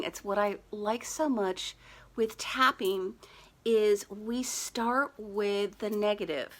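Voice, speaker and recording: A woman coach giving a gentle, reassuring talk on tapping for stress, speaking conversationally with frequent filler words. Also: a little high. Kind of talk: guided wellness talk to a live online audience.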